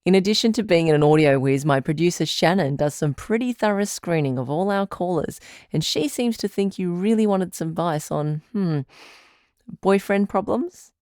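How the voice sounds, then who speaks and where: A woman's voice: fairly low pitch, animated, normal speed, darkish tone, dry recording, clean studio sound, natural voice. A woman playing a patient, reassuring doctor who hosts a radio advice show, articulate and composed, in a scripted audio drama. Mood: knowing, composed.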